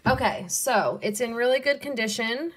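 A young adult woman casually going through a bin of flea market jewelry, pricing each piece and muttering soft asides to herself. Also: on the high side, background noise. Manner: unhurried, softly muttering asides, cooing over pieces. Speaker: resale seller pricing jewelry. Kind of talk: casual hands-on haul video.

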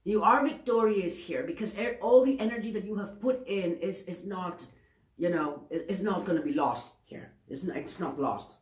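A woman in her forties with a Greek accent reads tarot to camera from a table in an indoor room, in a chatty, self-correcting manner with many check-ins with the viewer. Her mid-range voice moves at a moderate pace, and the room is reverberant.

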